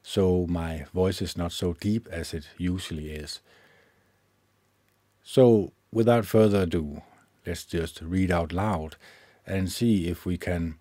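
A man hosting his own podcast, reading a self-help book aloud in a measured way, with occasional slips he corrects himself. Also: low-pitched, dark tone, no room sound. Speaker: podcast host. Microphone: own microphone with gain up and low cut filter.

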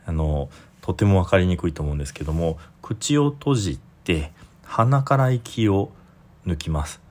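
Buddhist priest, man, low voice, unhurried dharma talk, patient and explanatory. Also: expressive. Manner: patient, explanatory, frequent soft fillers.

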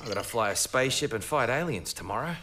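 Cheeky easygoing space pilot, bright forward voice, really bouncy pitch, breezy slang. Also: male voice, animated, quick pace. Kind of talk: science fiction audio drama acting.

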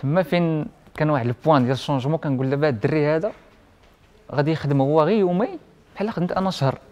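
On a muffled recording, a young man with a fairly high, slightly mellow voice races through a casual personal story during an interview. A printing and IT technician with a Moroccan Arabic accent, he mixes French words in and quotes dialogue as he goes.

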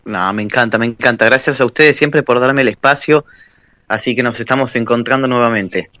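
A man's voice: mid-range voice, brisk, no echo. Young Argentine man telling a story. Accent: Rioplatense Spanish. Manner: lively, laughing, quotes voices. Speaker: guest. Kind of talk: storytelling anecdote.

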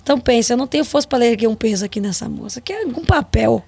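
Brazilian lady singer, hoarse, kinda high voice, jokey casual slang. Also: animated, very fast, a little mellow, no room sound. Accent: Brazilian Portuguese. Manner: frank, slangy, joking. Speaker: singer guest. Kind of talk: casual interview chat.

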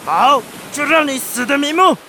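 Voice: sits high, lively intonation, normal speed, sharp tone, a little hiss or hum, rough recording. An actor voicing a hot-headed young tribal warrior in a radio drama, with a Taiwanese accent and a blunt, defiant, dramatic delivery. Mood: vengeful, threatening. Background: music.

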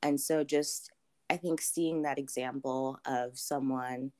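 A young adult woman from Zambia, answering interview questions thoughtfully with many pauses and ums. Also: extremely low pitch, fairly even intonation, dark tone. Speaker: interview guest.

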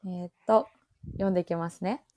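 A woman's voice: on the low side, steady tone, fairly quick, mellow. A woman in her twenties with a Kansai accent, co-hosting a casual podcast over a remote call and reading listener letters with frequent laughs. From Kansai, Japan. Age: 20s. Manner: chatty, laughs often. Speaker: podcast co-host.

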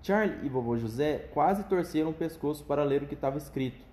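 A man reading a children's book aloud at home, pausing for patient, conversational asides with a child. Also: a little high, lively intonation, a little mellow, reverberant.

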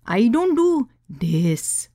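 A woman voicing a deadpan, disapproving Indian woman with a thick Indian accent and an emphatic, clipped way of talking. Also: fairly high pitch, very slow, no room sound, studio quality, pitched above the performer's own voice, heavily acted. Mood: insistent. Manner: deadpan, serious, clipped insistent delivery.

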